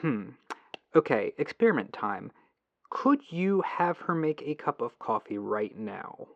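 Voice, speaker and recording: A man playing a patient, earnest tech-support agent in a gentle, reassuring ASMR phone roleplay, through a lo-fi telephone filter. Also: mid-range voice, very animated, unhurried, gravelly, dry recording, full character voice. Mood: attentive, curious. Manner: gentle, reassuring, apologetic, musing to himself. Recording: lo-fi muffled telephone sound.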